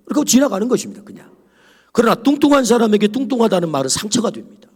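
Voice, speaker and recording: A man preaching a sermon as pastor, lively and dramatic, dropping to whispers for quoted lines. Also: sits high, very fast, slightly rough. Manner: animated preaching, whispering asides and acting out quoted voices. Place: church sanctuary. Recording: long church hall reverb.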